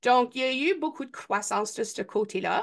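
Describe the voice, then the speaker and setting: In a quiet background, a woman talks with an Ontario accent. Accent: Franco-Ontarian. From Franco-Ontario, Sudbury. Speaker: early childhood content creator. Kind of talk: webinar presentation. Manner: hesitant, many fillers.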